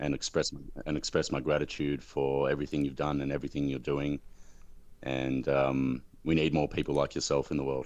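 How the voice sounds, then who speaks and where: Speaking in an Australian accent, a man keeps his intonation monotone and flat. His pitch is very deep and low, and his pace is fairly quick. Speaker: caller. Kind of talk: casual chat. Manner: halting.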